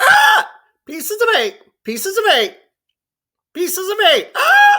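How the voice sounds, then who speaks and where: A man puts on a character voice. It is shrill and pitched extremely high. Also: fairly slow pace. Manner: repetitive squawking.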